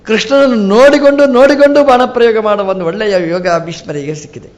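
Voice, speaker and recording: A man, a swamiji, giving a storytelling religious discourse with lively rises and drops and acted-out dialogue. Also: sits high, fast. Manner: animated, rising and falling sharply, quoting characters in dialogue. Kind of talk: storytelling sermon.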